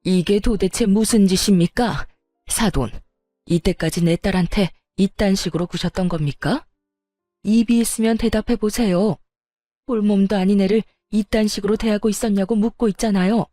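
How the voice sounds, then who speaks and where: A woman's voice: medium pitch, moderate pace, dark tone, no echo, faint music behind, close to an everyday voice. A woman voicing a protective middle-aged mother who sternly demands answers. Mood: outraged.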